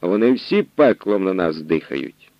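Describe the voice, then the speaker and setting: A man voicing a grave, measured commander. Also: sits low, big pitch swings, no echo, highs cut off, exaggerated voice. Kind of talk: audiobook reading.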